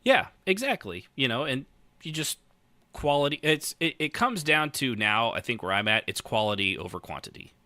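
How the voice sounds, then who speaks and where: Guy hosting a podcast, lowish voice, really sharp and forward, dry close sound, rambles a lot. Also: sing-song, normal speed, no echo. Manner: rambling, circling back over phrases. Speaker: podcast host. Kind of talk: casual podcast chat.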